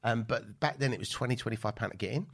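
Man, middle-aged, southern English accent, gravelly fry, casual storyteller, conversational, blokey. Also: medium pitch, fast, a bit bright. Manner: chatty, sweary storyteller, acting out remembered exchanges. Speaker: podcast guest, event promoter and film producer. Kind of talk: casual anecdotal chat.

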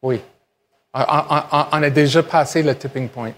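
A man's voice: on the high side, fairly even intonation, moderate pace. Hesitant man, radio guest. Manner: hesitant, mixes in English terms. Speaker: paramedic representative guest. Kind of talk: radio interview answers.

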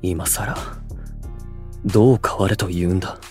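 A man's voice: sits low, steady tone, moderate pace, a little mellow, faint music behind, natural voice. A man playing a stern, distrustful young older brother in a voice drama, curt, haughty and formal, protective and aloof. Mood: guarded. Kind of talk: Japanese voice drama acting.

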